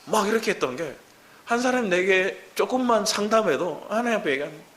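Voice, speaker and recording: A male pastor giving a sermon in a church, preaching in an animated way and often asking the congregation rhetorical questions. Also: high voice, quick pace.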